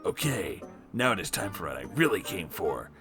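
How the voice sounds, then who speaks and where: A man voicing a smug, brooding, villainous male cartoon hedgehog in a terse, deadpan way for a comedic story reading. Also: deep voice, moderate pace, music in the background, pitched below the performer's own voice. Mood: businesslike.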